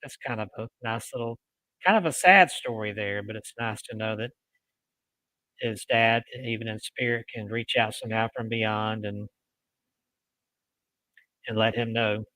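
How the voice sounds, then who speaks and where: Guy reading spooky true stories out loud, bright crisp tone, real dry close sound, kinda casual host. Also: lowish voice, unhurried, long pauses, dry recording, rough recording. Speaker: host of a paranormal storytelling show. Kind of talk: reading ghost stories aloud with casual asides.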